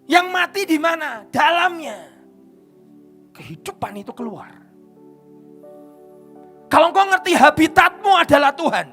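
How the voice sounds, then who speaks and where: Javanese-accented male preacher, high and bright, storytelling sermon that swings from hushed to booming. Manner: animated preacher who switches between quiet storytelling and loud emphatic declarations. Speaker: pastor. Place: church service.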